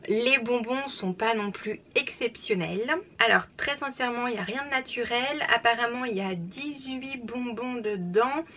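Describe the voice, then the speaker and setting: A woman's voice: on the high side, sharp tone. A young woman chatting enthusiastically as she unboxes a book subscription box, with frequent fillers. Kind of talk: casual unboxing chat. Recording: slightly distant mic, faint room noise.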